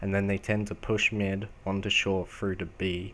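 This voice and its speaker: This man's voice sits fairly low in pitch, and his intonation is monotone and flat. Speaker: gaming commentator. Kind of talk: gameplay commentary. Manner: sleepy, low energy.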